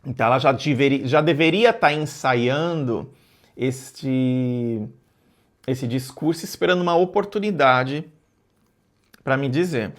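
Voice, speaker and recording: A man telling a personal story. He speaks in a measured, reflective way and often stops to repeat or rephrase his words. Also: mid-range voice.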